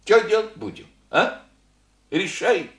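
An actor playing an old village widower, gentle and grieving, talking in folksy rural speech with sighs. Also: male voice, high-pitched, big pitch swings, reverberant, heavily acted. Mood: mournful. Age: older. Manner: folksy rural speech, slow and rambling, sighing. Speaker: elderly village father. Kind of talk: radio play acting.

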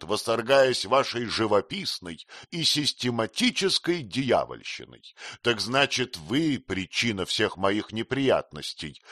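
A man voicing a bold male adventurer who talks drily, slowly and deliberately. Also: mid-range voice, pushed and bright, no room sound, voice pushed up, full character voice. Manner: dry, slow and deliberate. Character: bold, dry-witted adult male adventurer.

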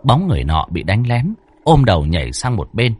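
A man's voice: fairly low pitch, huge pitch swings, fairly quick, a little mellow, breathy edge. A man narrating a ghost story in a dramatic, vivid storytelling manner.

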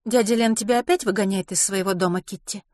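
A woman's voice: medium pitch, quick pace, a little mellow, no echo, studio quality, pitched above the performer's own voice, natural voice. A woman voicing a frank, level-headed young woman with a direct, reasonable manner in an audiobook story.

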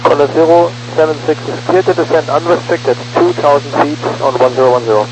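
A man's voice: fairly high pitch, normal speed. A man working as a pilot, making brief, procedural readbacks and calls over cockpit radio. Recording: noisy aviation radio with hum.

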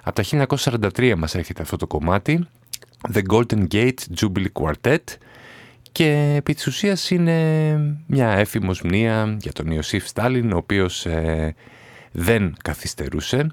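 A man hosting a music radio show, talking casually with many pauses and fillers. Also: low voice, no room sound. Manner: relaxed, many hesitation fillers.

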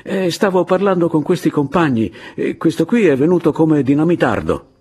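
A cheeky, idle gypsy, put on by a man in a storybook reading, with a thin, high, husky voice and an offhand, wheedling tone. He sounds lively and sly. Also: normal speed.

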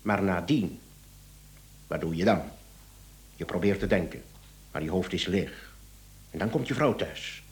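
Radio drama inspector: shrewd, insinuating, sardonic, very animated intonation. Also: male voice, deep voice, measured pace, pauses often. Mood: accusing. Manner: theatrical, probing, sardonic. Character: shrewd, insinuating male police inspector confronting suspects. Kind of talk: Dutch-language radio drama acting.

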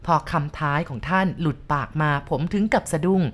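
A woman's voice: sits low, brisk. Woman reading a story aloud. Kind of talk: read-aloud story narration.

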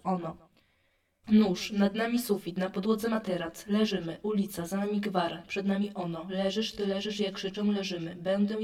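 A woman's voice: mid-range voice, darkish tone, distant mic. A woman giving a scripted reading of literary texts.

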